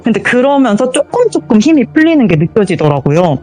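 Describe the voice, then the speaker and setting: A woman's voice: on the high side, sing-song, a little fast, dark tone, faint music behind. A woman telling her own true ghost story as a guest, vividly acting out the voices in it.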